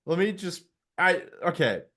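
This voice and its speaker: A man's voice: high voice, sing-song, a little slow, fairly bright tone. A man co-hosting a comedy podcast in casual chat, rambling and jokey, often breaking off mid-thought. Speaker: podcast co-host.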